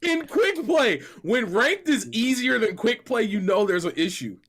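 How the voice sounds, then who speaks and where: A man's voice: very high voice, sing-song, measured pace, fairly bright tone. A man in a casual gaming podcast chat, emphatic and slangy, often repeating phrases for emphasis. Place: online group call from separate rooms.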